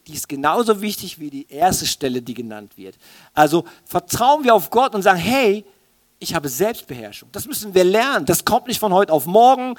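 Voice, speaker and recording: A man preaching a sermon in an informal, colloquial way, animatedly speaking straight to his listeners. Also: sits high. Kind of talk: sermon in informal youth language.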